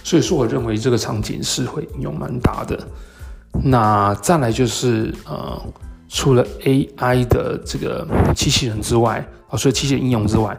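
A man speaks Mandarin with a Taiwanese accent in a mid-range voice full of heavy vocal fry. He explains his subject like a solo podcast host, in halting phrases broken by hesitant pauses. Soft music sits faintly behind him. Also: medium pitch. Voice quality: gravelly, creaky. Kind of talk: solo talk explaining tech and market topics.

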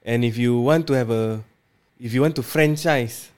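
A man's voice: medium pitch, normal speed, a little mellow, clean tone. A man chatting casually with a Malay-speaking Southeast Asian accent, mixing slangy English and Malay with lah particles. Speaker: shop owner and live seller being interviewed. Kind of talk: casual chat.

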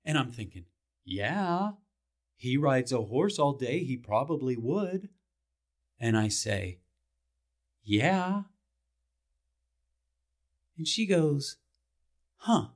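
Guy acting a touchy brooding husband in a podcast drama, talks slow n halting, asks questions with big emphasis. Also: mid-range voice, very animated, exaggerated voice. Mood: troubled, brooding. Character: defensive, brooding small-town husband, uneasy about his marriage.

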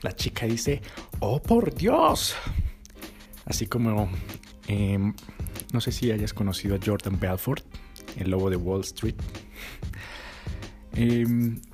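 Low-voiced man giving dating advice. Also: fairly even intonation, slow, long pauses, warm tone. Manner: coaching, addresses the viewer directly. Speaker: dating coach. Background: music.

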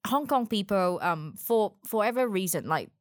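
A woman's voice: mid-range voice, animated, moderate pace, dry recording, studio quality. A woman hosting a podcast interview, chatty with frequent "like" and "um" fillers. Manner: chatty, uses many fillers like "like" and "um". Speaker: podcast host. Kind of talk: conversational interview.

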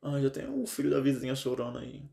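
A young man with a Brazilian accent talks casually to his viewers, venting with exasperated, theatrical swings of pitch. His voice sits in a middle register, and he complains freely. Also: lively intonation, fast talker, creaky, dark tone. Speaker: vlogger. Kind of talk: casual chat to camera.

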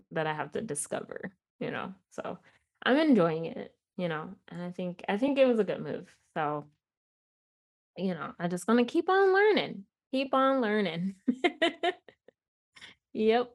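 A woman's voice: fairly low pitch, a little mellow. A young woman with a Midwestern accent, hosting her own podcast in a casual, chatty way, full of fillers and frequent laughs. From Chicago. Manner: chatty, self-deprecating, laughs often, many fillers. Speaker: podcast host. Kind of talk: casual solo podcast chat.

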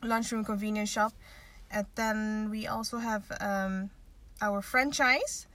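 Podcast guest, woman in her 20s, Dutch first language, bright tone, loose and chatty. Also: mid-range voice, steady tone, slow pace. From Netherlands. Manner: chatty, many fillers and restarts. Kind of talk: casual interview chat.

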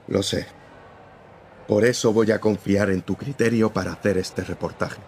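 A man's voice: fairly low pitch, steady tone, moderate pace, a little mellow, a little hiss or hum, natural voice. An actor playing a firm, principled newspaper editor-in-chief who lectures his young reporter in a radio drama. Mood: earnest. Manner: firm, lecturing, morally serious.

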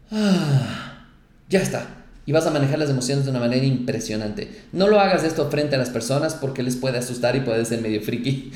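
A man hosting a motivational podcast, coaching listeners in an animated, upbeat way with frequent rhetorical questions, his throat sore. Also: mid-range voice. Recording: echoey room.

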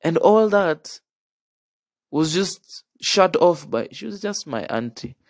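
Casting: young Kenyan male podcast host, lightly high-pitched, chatty and animated storyteller, slangy, recorded dry. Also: takes it slowly, no echo. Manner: animated, chatty, addresses listener with tag questions and Swahili slang. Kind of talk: casual monologue with storytelling.

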